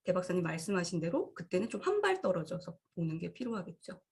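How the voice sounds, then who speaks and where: A woman co-hosting a psychology talk show, calmly explaining ideas with acted-out example thoughts. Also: lowish voice, fast, a little hiss or hum. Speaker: podcast co-host. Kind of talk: casual explanatory chat.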